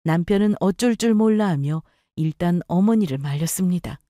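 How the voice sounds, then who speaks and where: A woman narrating a first-person family story in a calm, measured way. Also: lowish voice, no room sound, studio quality.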